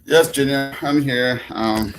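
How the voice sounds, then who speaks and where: A man's voice: medium pitch, slow. A man calling in to a talk show over a connection that keeps breaking up, repeatedly asking whether he can be heard. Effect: call breaking up, connection cutting in and out. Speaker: caller joining a talk show. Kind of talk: casual call-in chat. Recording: noisy, clicking, distant call line.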